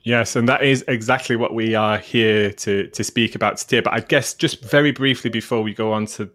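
Northern bloke w a broad yorkshire accent, bit of manc, hosting a chat show, lowish voice. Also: male voice, steady tone, a little fast, a bit bright. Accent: broad Yorkshire with some Mancunian. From northern England. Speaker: talk show host. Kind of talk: conversational interviewing.

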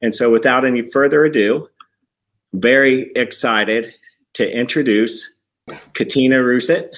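A man's voice: mid-range voice, a little slow, fairly bright tone. A man hosting a podcast from a church building, introducing and interviewing a guest with enthusiasm and some restarts. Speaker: podcast host.

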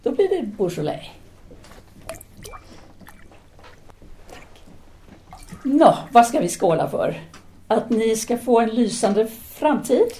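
A woman's voice: a little high, big pitch swings, dark tone. A woman playing a self-assured, seductive philosopher-teacher in an audio drama, speaking in an articulate, formal, lecturing manner. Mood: inviting, flirtatious. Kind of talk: audio drama dialogue acting.

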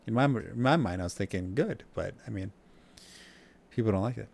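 A man's voice: lowish voice, brisk, creaky, a little mellow. A man co-hosting a podcast in casual chat, giving blunt, emphatic opinions. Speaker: podcast co-host. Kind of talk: casual fantasy football chat.

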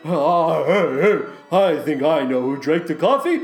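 A woman's voice: sits low, lively intonation, measured pace, reverberant, soft background music, pitched below the performer's own voice. A woman voicing a sad, anxious, dim male puppet, whiny and defensive, in a comic sketch. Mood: accusing.

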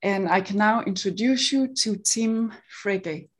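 A woman's voice: mid-range voice, measured pace, breathy edge. A woman with a Danish accent, hosting an online interview in a casual, chatty way over a video call. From Denmark. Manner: chatty, laughs easily, restarts often. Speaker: summit interviewer.

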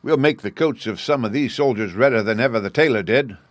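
A man's voice: mid-range voice, a little fast, no room sound, close to an everyday voice. A man doing a swaggering boastful convict ringleader. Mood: scheming. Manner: boisterous, boastful with laughs.

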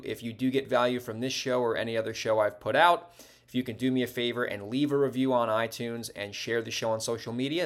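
A man hosting a podcast, chatting casually and upbeat with frequent fillers. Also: mid-range voice. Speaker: podcast host. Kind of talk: casual interview chat.

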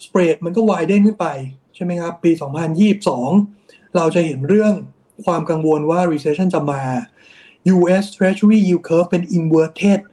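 A man's voice: sits high, unhurried, dark tone. A man giving an explanatory commentary on bond markets, often tagging his sentences with polite particles. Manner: explanatory, mixes English finance terms, frequent polite particles. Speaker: investment strategist.

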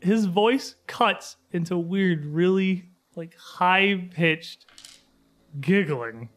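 A man's voice: sits high, very slow, fairly bright tone. A man working as game master, narrating a tabletop game in a casual, improvised way. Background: music.

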